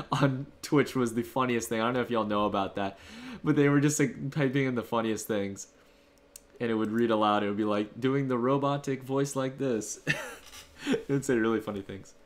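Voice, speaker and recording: A man's voice: on the low side, fairly even intonation, normal speed. Casual man hosting a livestream. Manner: thanks donors and answers chat in a loose, rambling way. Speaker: livestream host. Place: home room.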